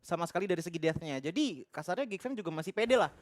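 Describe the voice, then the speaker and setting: A man's voice: high-pitched, animated, quick pace, slight background noise. An Indonesian man giving analytical live esports commentary as a caster, explaining in a colloquial way.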